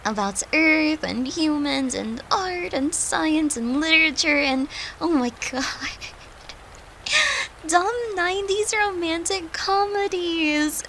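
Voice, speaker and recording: A woman's voice: high-pitched, slight background noise, full character voice. A woman playing a tender human girlfriend, an occult summoner confiding in her demon lover in an intimate, earnest audio roleplay. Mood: fond, warm. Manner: soft, earnest, confiding, with sighs and breathy laughs.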